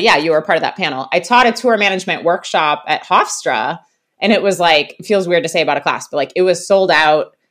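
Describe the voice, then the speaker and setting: A woman's voice: lowish voice, a bit bright. A woman hosting a podcast interview, talking casually with lots of fillers and restarts. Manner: chatty, many fillers and restarts. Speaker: podcast host.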